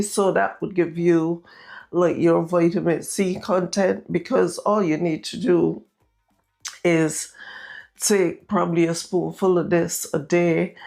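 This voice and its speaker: Husky, raspy-throated Barbadian woman, slow and low. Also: warm tone. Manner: chatty, talks straight to viewers. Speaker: home cooking vlogger. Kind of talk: casual recipe vlog. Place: home kitchen.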